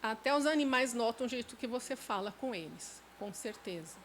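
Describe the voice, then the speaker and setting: A woman's voice: on the high side, expressive, normal speed, a little hiss or hum. A woman with a Brazilian accent giving an informal sermon at a church camp, chatty and conversational, acting out everyday quotes. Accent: Brazilian Portuguese. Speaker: preacher. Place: church camp meeting space.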